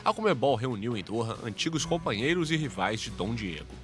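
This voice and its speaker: A man's voice: mid-range voice, very animated, fairly quick. A man with a Brazilian accent reading scripted news narration as a reporter. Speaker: news reporter and voice-over translator. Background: music.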